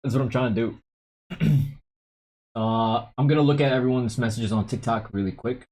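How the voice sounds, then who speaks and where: A young man hosting a casual livestream about day trading, laid-back and quick to laugh, reading out chat messages. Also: mid-range voice, steady tone, darkish tone.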